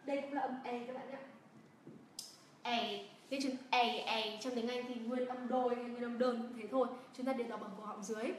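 Vietnamese lady teaching english sounds, high voice, says each word over and over, far off mic in a big echoey room. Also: level tone. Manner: drills words slowly and repeats them. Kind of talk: livestreamed pronunciation lesson. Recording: echoey room, voice from a distance, faint hiss.

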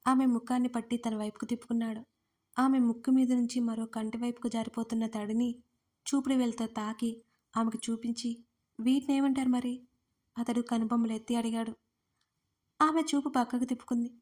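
A woman, writer and narrator of her own audio romance stories, telling them in a steady, even manner. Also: on the high side, fairly quick.

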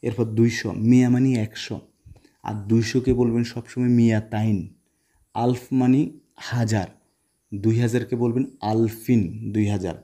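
A man from Bangladesh teaches a casual video lesson in a mellow, husky voice. He explains step by step, asking questions and answering them himself, and drops English phrases in between. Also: medium pitch, fairly even intonation, measured pace, pauses often. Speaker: Arabic language teacher.

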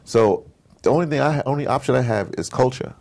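A man's voice: medium pitch, quick pace, a little mellow. A middle-aged or older man in casual conversation as an interview guest, emphatic and rambling with slangy turns of phrase. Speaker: interview guest, audio drama producer.

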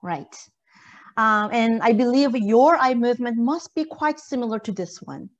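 A woman's voice: fairly high pitch, expressive, normal speed, muffled recording. A woman lecturer giving an interactive online lesson in an encouraging way, checking understanding with questions. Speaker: university lecturer. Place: indoor video call.

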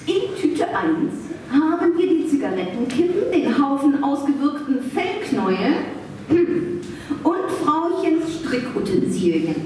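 Pompous pug sleuth played by a woman, high voice, deliberate comedy delivery, distant stage recording with clear noise. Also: sing-song, darkish tone, heavy reverb. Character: self-important male pug playing detective, exasperated. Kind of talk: live comedy radio play. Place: theatre stage.

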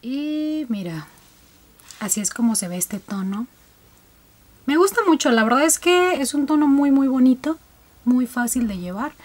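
A woman's voice: sits high, lively intonation, normal speed. A young woman chatting casually to her viewers while reviewing colored contact lenses, with frequent fillers.

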